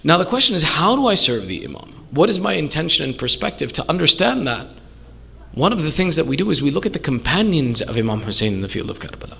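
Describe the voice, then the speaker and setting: Emphatic male preacher with a bright, creaky voice. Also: a little high, sing-song, quick pace. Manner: earnest rhetorical questioning, emphatic repetition. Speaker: preacher, sheikh. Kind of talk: English majlis sermon.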